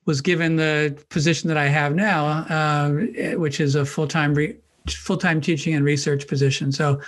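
A man in his sixties from Maryland, a New Testament professor talking as a podcast guest, measured and thoughtful with frequent restarts. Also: fairly high pitch. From Maryland, United States. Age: 60s. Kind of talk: conversational podcast interview.

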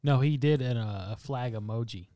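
A man co-hosting a casual podcast, mostly chiming in with short, easygoing comments. His voice has a gravelly edge and sits in a middle pitch. The recording is dry. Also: moderate pace, dark tone, dry recording. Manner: short laid-back agreeing remarks. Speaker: podcast co-host. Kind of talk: casual chat.

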